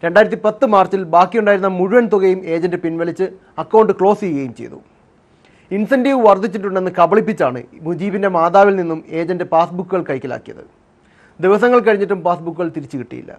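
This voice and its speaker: A man's voice: sits high, quick pace. A man reading a scripted investigative news narration as the programme's presenter.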